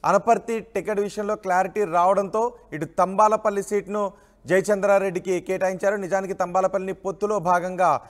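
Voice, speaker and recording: A man's voice: high voice, steady tone, fairly quick. A man anchoring a live news bulletin and putting questions to a field reporter.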